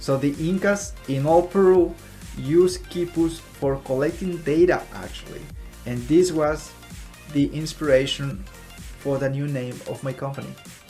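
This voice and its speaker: A man speaks in an upbeat tone at a fairly slow pace, his loudness swinging widely, with music playing in the background. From Peru. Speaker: Power BI consultant and YouTube tutor. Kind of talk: casual talk to camera. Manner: friendly, upbeat.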